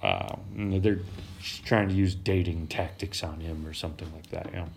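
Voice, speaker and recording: A man's voice: deep voice, fairly even intonation, moderate pace, vocal fry, slight background noise. Chatty man hosting a Bible podcast. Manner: chatty, laughs easily, stumbles over names. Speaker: podcast host. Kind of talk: casual Bible discussion.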